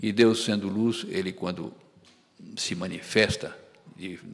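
Here a man with a fairly low pitch talks at a fairly slow pace. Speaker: priest. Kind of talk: sermon. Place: church. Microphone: podium.

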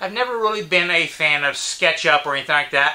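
A man speaks in a raised, projected voice. Light background noise sits behind him. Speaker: woodworking content creator. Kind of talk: casual vlog chat. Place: workshop.

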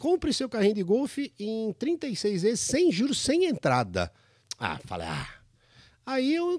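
A man's high voice with very wide pitch swings, dry and close with no echo, on a very clean recording with a silent background. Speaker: real estate broker and podcast host. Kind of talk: casual interview chat. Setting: office studio.

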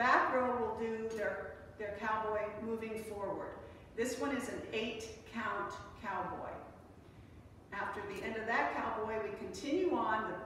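Pausing long and often, a woman talks at a fairly slow pace with strong room echo and light background noise. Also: ordinary pitch variation. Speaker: dance teacher. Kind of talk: tutorial. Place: hall. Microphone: camera far.

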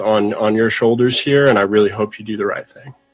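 With music in the background, a man speaks in an American accent with fairly even intonation. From Cambridge, Massachusetts. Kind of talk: public testimony.

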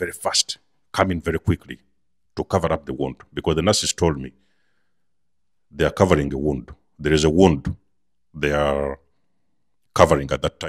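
Vocal fry, fairly even intonation and a fairly quick pace. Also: man, quiet background. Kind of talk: casual vlog chat. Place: home room. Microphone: lapel.

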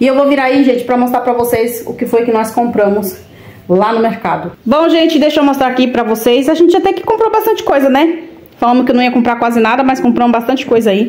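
Amid audible room echo, a woman speaks at a fairly quick pace with a high pitch. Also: ordinary pitch variation. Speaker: home vlogger. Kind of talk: casual vlog chat. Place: kitchen. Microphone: phone near.

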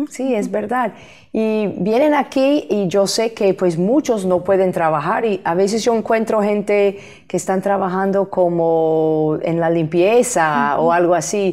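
With an English accent, a woman talks fairly slowly at a medium pitch, her tone dark and mellow, her loudness very even and her pitch variation ordinary. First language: English (speaking Spanish). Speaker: talk show host, lawyer and politician; talk-show host. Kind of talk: interview. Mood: warm, friendly. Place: studio. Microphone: lapel.

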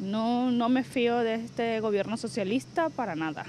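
A woman speaks very slowly at a fairly high pitch, with ordinary pitch variation. The sound is dry with no echo, and light background noise can be heard. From Venezuela. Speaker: passer-by interviewee; interviewee. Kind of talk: street interview. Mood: critical, firm opinion. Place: street. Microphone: handheld.

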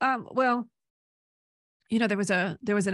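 A woman with a Canadian accent, dry with no echo, against a quiet background. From Canada (Ontario). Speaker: science communication consultant; podcast guest. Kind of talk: casual interview chat. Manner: halting, many fillers. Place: studio. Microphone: studio mic.

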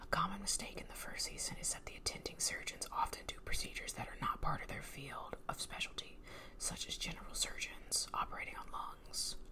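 A woman whispers at a fairly quick pace. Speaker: content creator. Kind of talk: casual vlog chat reading facts. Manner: soft, hushed ASMR talk. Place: home room. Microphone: webcam.

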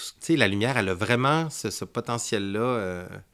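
In a Quebec accent, a man talks with ordinary pitch variation in a very clean recording with a silent background. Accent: Québécois French. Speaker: visual artist. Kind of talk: casual interview.

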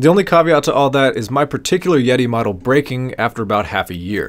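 The man's delivery comes at a very fast pace. It carries lively intonation. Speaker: tech reviewer. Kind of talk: product review commentary. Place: home room. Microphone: studio mic.

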